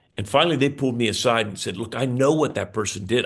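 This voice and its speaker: A man speaks against a quiet background. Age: 60s. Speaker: pastor. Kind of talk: podcast interview. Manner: halting.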